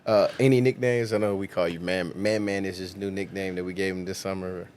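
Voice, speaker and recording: Male podcast host, deep voice, short quick questions, faint background noise. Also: steady tone, a little mellow. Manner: brief affirmations, quick-fire questions. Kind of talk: casual interview questions.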